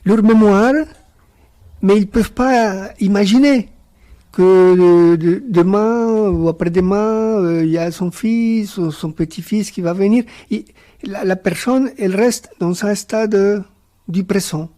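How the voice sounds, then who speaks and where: A man whose first language is Spanish, speaking on a round-table panel as a guest author, thoughtful and hesitant with many pauses and fillers. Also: high voice, mellow. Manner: reflective, philosophical.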